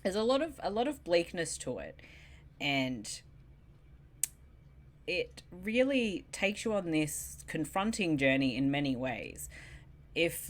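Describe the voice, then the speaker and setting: A woman reviewing a film in casual conversation, thoughtful and a little hesitant. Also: a bass voice.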